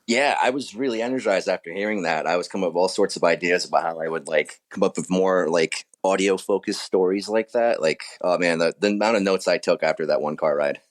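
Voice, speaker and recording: A man's voice: deep voice, brisk, hardly any pauses. A man speaking casually as an author being interviewed, keen and reflective about his work.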